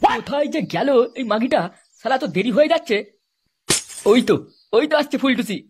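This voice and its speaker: Man doing a cartoon boyfriend, eager, crude, jealous, husky processed voice, rapid speech. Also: extremely high pitch, lively intonation, exaggerated voice. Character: jealous, admiring male lover and schemer in comedy cartoon.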